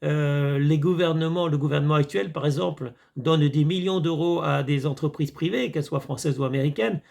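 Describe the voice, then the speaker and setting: A video commentator reviews a series in a rambling, casual monologue, often hesitating and addressing his viewers as his friends. His voice sits on the high side, a little fast and a little mellow, with vocal fry.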